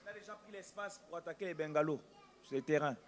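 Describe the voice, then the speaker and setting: A man's voice: fairly high pitch, fast talker. A man giving short, factual answers with some hesitation. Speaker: church worker reporting on projects. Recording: distant voice in long reverb.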